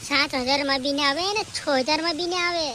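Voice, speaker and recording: A stubborn farmer dad from a cartoon comedy, played by an actor, pitched very high. The speech has a rural Madhya Pradesh tribal accent. Some noise sits behind the voice. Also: steady tone, a little fast, pushed and bright. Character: village farmer father selling a goat at market, haggling stubbornly.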